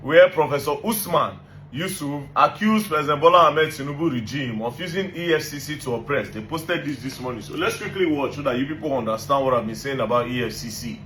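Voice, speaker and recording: A man hosting his own channel, introducing a news clip to viewers in a brisk, direct way. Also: medium pitch, a bit bright, roomy sound, slight background noise. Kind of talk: casual commentary.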